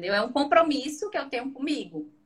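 A woman with a bright, sharp tone speaks with lively intonation. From Brazil, Fortaleza (Ceará). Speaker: psychologist. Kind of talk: casual interview chat.

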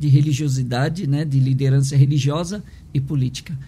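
The man's tone is dark and mellow. There's some breathiness in his voice. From Lebanon, then Brazil from age seven. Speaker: Islamic religious leader. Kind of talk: interview conversation. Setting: studio. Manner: hesitant, many fillers.

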